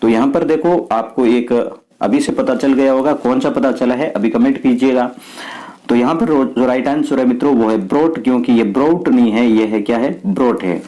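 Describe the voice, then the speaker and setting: A man's voice: mid-range voice, moderate pace, mellow, poor audio. A man teaching students through an exam paper step by step, asking questions and answering them himself. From Rajasthan, India. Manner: explains step by step, asks and answers his own questions. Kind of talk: exam paper walkthrough lesson.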